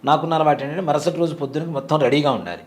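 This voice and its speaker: A man in his forties tells a story from his own life at a quick clip, earnest and full of vivid detail. His voice sits a little higher than most men's, and he speaks as a temple priest in a relaxed interview. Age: 40s. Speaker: temple priest and devotional guest.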